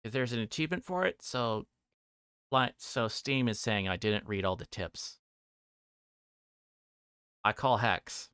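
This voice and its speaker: A man chatting casually as he hosts a game livestream, halting and rambling and often trailing off. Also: mid-range voice, a bit bright, smooth, dry recording, studio quality. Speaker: livestream host playing a visual novel.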